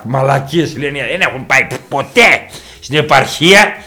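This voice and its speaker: Loud rural epirus uncle, foul-mouthed and boastful, bright voice that jumps all over, faint music behind. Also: male voice, mid-range voice, animated, vocal fry. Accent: rural Epirus Greek. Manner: blunt, rowdy, swears freely, tall tales. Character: blunt boastful rural uncle from a village, middle-aged. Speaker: comic character reacting to videos. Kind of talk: improvised comic monologue.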